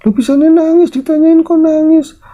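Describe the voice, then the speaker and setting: Guy doing a high weepy granny, fussing and repeating herself, mellow tone. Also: expressive, moderate pace, muffled recording. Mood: fretful. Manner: high, emotional, repetitive fussing. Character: chatty old village woman porridge seller, weepy.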